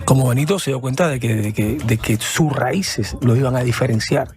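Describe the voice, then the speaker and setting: A Cuban man, a musician guest, talking casually in an interview, halting and repeating words as he searches for them. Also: medium pitch, darkish tone, slight background noise. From Cuba.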